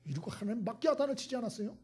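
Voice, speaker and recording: A middle-aged man preaches a sermon in a husky voice. His pitch swings widely as he asks rhetorical questions. He now and then drops to a whisper to make a point. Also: lively intonation, rapid-fire, mellow. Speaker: pastor.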